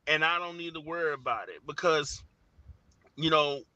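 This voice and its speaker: A man in his forties, a father speaking as an interview guest, earnest and searching, often pausing on "you know" and restarting his sentences. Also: a little high, bright, forceful tone, dry recording, highs cut off. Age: 40s. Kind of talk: reflective conversational interview.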